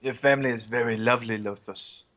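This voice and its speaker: A man playing a courteous, diplomatic adventurer in a tabletop game, with formal, measured and polite phrasing. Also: mid-range voice, steady tone, a bit bright, lo-fi sound, lightly acted. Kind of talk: tabletop game role-play.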